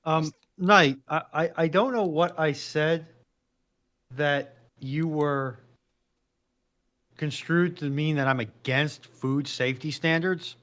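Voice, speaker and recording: A man in a casual live chat, speaking in a measured, hesitant and wry way. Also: fairly high pitch, fairly bright tone.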